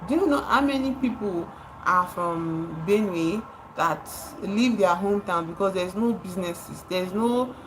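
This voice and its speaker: A Nigerian woman talks on a live stream at an ordinary pitch, sounding impassioned and driving her points home through repetition. She stops now and then to greet people in the chat. Faint noise hangs behind her voice. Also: unhurried. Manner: impassioned, repeats words for emphasis, greets chat viewers. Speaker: livestreamer.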